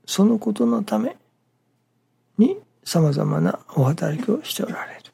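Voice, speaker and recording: A minister giving a morning sermon in a halting, measured way, breaking phrases with pauses and dropping some words to a near-whisper. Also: medium pitch, big pitch swings, creaky, background noise.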